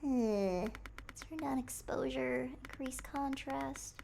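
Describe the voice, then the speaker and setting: A woman's voice: high-pitched, takes it slowly, vocal fry, darkish tone, slight background noise. A woman livestreamer with a cute, girlish anime-like voice, commenting casually and playfully on a game to her chat, sometimes murmuring to herself. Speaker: livestreamer playing a horror game.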